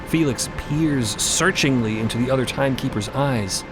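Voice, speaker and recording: A man's voice: medium pitch, moderate pace, over music, poor audio. A man co-narrating a fantasy audio drama, dramatic and scripted with casual asides.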